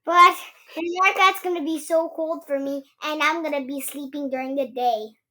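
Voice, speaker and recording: A young girl answering interview questions with short, halting replies. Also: high voice, bright, forceful tone. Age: young child. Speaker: missionary kid interviewee.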